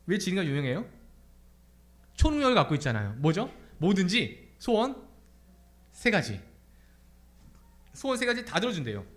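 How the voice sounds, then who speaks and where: Casting: young male preacher, lively sermon delivery with a high, expressive voice. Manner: animated, asks the congregation many questions. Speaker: pastor. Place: church sanctuary.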